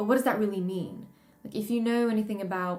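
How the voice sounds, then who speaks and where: Over music in the background, a woman speaks with fairly even intonation. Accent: slight British. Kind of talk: casual talk to camera.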